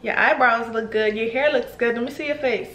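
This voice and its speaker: A young woman from the Bahamas, chatting with strangers in a casual, bubbly, flattering way. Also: on the high side, brisk. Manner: bubbly, flattering, laughs often. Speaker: vlogger. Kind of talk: casual video chat with strangers. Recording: echoey room, faint noise.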